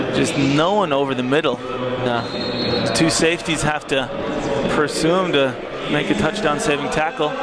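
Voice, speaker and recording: Loud background noise fills this dry recording with no echo. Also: moderate pace. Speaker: sports commentator. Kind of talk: live sports commentary. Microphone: headset.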